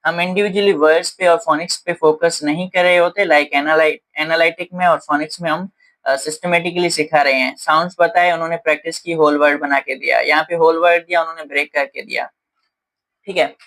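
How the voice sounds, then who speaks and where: Male teacher, slightly high-pitched, patient and explanatory lecture delivery. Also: fairly even intonation, brisk, a bit bright, low-quality recording. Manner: patient, explanatory, frequent fillers. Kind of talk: explaining lesson in Hindi-English mix.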